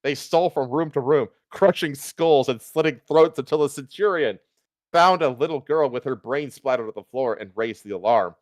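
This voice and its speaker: A man reads a story aloud to a live stream as an amused storyteller. His pitch sits in the middle of the male range, and the sound is very dry with no room echo. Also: moderate pace. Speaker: streamer reading fan fiction aloud. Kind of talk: live comedic dramatic reading.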